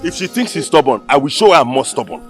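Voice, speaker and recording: A man with a Nigerian accent playing a stubborn, indignant taxi driver who argues loudly and refuses to back down. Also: medium pitch, sing-song, fast talker, soft background music, close to an everyday voice. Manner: loud, indignant, pleading at times.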